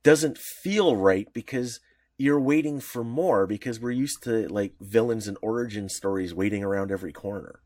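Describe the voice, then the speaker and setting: A man's voice: lowish voice, moderate pace, a little mellow, dry recording, clean studio sound. A man co-hosting a podcast, explaining comics history in a rambling, enthusiastic way with many restarts. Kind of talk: casual podcast chat.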